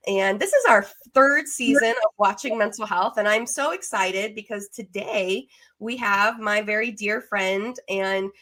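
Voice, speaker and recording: A woman's voice: mid-range voice, a little slow, bright, forceful tone. Enthusiastic American woman hosting an interview. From Las Vegas, United States. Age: 30s. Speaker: podcast host.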